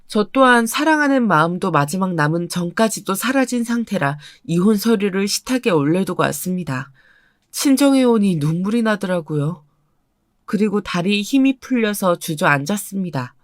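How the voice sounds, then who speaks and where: A woman narrating a first-person story, recounting events calmly and evenly. Her voice sits in a middle range and is recorded dry and close. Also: mid-range voice, no echo.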